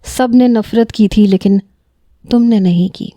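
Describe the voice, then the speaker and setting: A woman voicing a young man, a stern cousin in love, who lectures firmly and then pleads softly in a narrated romance story. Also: medium pitch, no room sound, close to an everyday voice. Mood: earnest.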